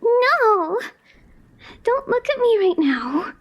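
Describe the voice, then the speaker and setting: A woman playing a calm, reserved young girlfriend, shyly smitten, in a soft, breathy, hesitant ASMR roleplay voice that often drops to a whisper. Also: extremely high pitch, muffled recording, full character voice. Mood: flustered, bashful. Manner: hesitant, understated, slow with long pauses.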